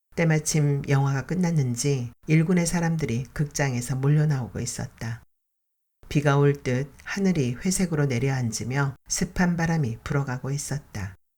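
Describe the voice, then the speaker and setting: A somewhat breathy woman with a very deep, low pitch and a dark, mellow tone, ordinary pitch variation and a fairly slow pace, on a very clean recording with a silent background. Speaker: audiobook narrator. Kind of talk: audiobook fiction reading.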